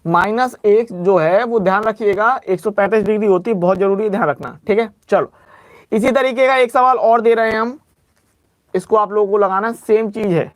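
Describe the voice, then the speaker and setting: A man's voice: sits high, no echo. A young man teaching an exam-prep maths lecture, working through sums aloud and repeating reminders to be careful. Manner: drills reminders, works sums aloud step by step; slows to dictate formulas, speeds up for asides.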